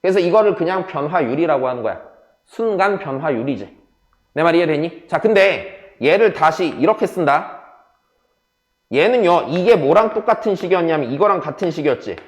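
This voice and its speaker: A man's voice: a little high, expressive, moderate pace, roomy sound. A man teaching a math class, switching between casual and polite speech and often checking whether students follow. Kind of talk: classroom lecture.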